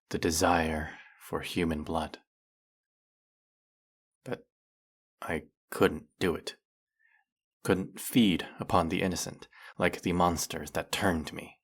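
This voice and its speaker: A man acts out a brooding vampire, centuries old, who hunts other vampires. His voice is very deep and thick with gravelly fry. He speaks slowly and deliberately, leaving dramatic pauses as in an intimate audio drama monologue. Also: steady tone, exaggerated voice. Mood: haunted, somber. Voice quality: gravelly, low. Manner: slow, measured, dramatic pauses.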